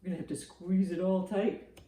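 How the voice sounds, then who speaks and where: A woman's voice: lowish voice, fairly even intonation, moderate pace, mellow. A woman hosting a children's storytime, speaking expressively and putting simple questions to young listeners. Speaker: children's librarian and storytime host. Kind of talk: animated children's storytime read-aloud.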